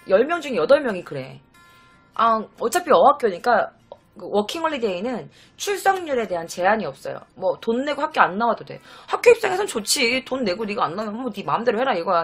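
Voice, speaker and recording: A woman talks in a casual vlog as a Japanese-language tutor. She rattles on quickly, with a breathy, husky edge. Her pitch leaps around as she lectures her viewers directly, dropping to soft asides and then jumping to loud bursts.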